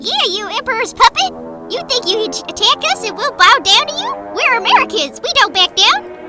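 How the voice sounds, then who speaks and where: A woman playing a frantic, high-strung American in a satirical theater piece. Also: big pitch swings, brisk. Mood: hostile, jeering. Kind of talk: satirical readers theater performance. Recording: loud music and crowd over voice.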